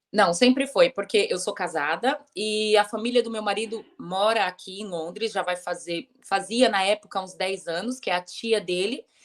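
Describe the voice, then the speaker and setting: A woman speaks at a moderate pace and medium pitch, her loudness swinging widely, her pitch varying in an ordinary way, and she hardly pauses at all. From Brazil, São Paulo city. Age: young. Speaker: Brazilian immigrant guest. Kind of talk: podcast interview. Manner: talkative.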